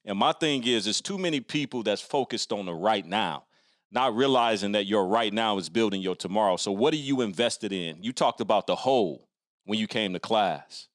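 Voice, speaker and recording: A man's voice: lowish voice, lively intonation, moderate pace, no room sound, clean studio sound. A man hosting a motivational interview, encouraging and preacherly, building his points through repetition. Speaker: podcast host.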